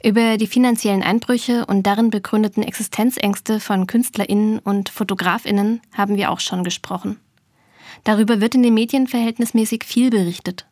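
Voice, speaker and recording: A woman's voice: fairly high pitch, a little mellow, dry recording, clean studio sound. A woman hosting a photography news podcast, reading a scripted segment intro in an earnest tone that addresses the listeners directly. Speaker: podcast host.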